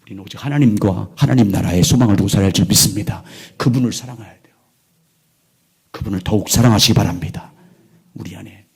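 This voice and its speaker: A man in his sixties, a pastor preaching a sermon in a church, moving between loud emphatic lines and hushed, near-whispered ones. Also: fairly low pitch, fast talker, creaky, slightly rough. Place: church sanctuary.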